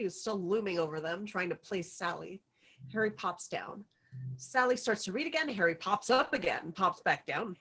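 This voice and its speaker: A woman's voice: medium pitch, fairly bright tone, husky. Narrator for a table read: woman with mid-range voice, reading scene directions.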